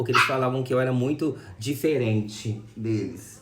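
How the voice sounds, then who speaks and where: The voice belongs to a man with a medium pitch. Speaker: YouTuber. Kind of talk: casual vlog monologue. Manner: fast; halting.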